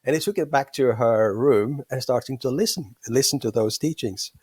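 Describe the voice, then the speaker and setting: A man's voice: medium pitch, normal speed, darkish tone, husky, no echo, clean studio sound. A man in his fifties with a Norwegian accent, a monk speaking as a guest, hesitant and searching for words, often chuckling. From western Norway. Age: 50s. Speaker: guest, Buddhist monk and teacher. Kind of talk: casual interview chat.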